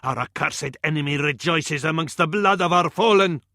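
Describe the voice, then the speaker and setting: An actor playing a fervent Arab advisor to a sultan in a strategy video game, with an Arabic accent and ornate, theatrical delivery. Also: male voice, on the high side, normal speed, sharp tone, dry recording, clean studio sound. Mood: mournful. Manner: ornate, dramatic, proverb-laden delivery.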